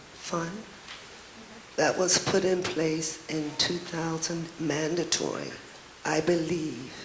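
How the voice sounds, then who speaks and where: With noticeable background noise and audible room echo, a woman at a fairly low pitch talks very slowly in a monotone, flat intonation, with long, frequent pauses. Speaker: audience member at town hall. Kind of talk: public question at town hall meeting. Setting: town hall meeting. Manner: formal.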